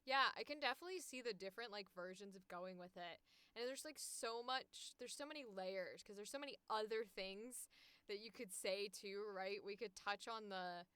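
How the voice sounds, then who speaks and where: A woman hosting a casual livestream as a voice actor, effusive and quick to agree with her guest. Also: mid-range voice, sharp tone, smooth, dry recording.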